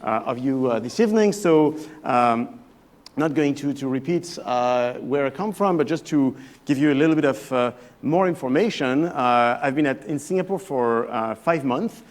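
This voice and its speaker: Speaking with lively intonation at a moderate pace, this man has a mid-range voice. A professor in his thirties from France, he gives an evening guest lecture to a live audience in a French accent, chatty and hesitant, often going back to restart phrases.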